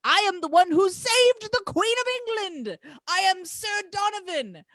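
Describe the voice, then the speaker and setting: Female actor as cocky male wrestler for staged promo reading: high voice, unhurried, taunting, grandiose. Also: expressive, a bit bright, no room sound, studio quality, exaggerated voice. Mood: boastful, grandiose. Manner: taunting, crude, grandiose, drawn-out emphatic delivery. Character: brash, boastful male pro wrestler cutting trash-talk promos.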